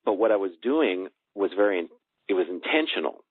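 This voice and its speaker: A middle-aged man with a low, husky voice is interviewed on a call as a guest, a personal growth coach and author. He speaks in a brisk, animated way but hesitates, searches for words and repeats phrases for emphasis. The audio is a dry, thin, band-limited phone line with no room sound.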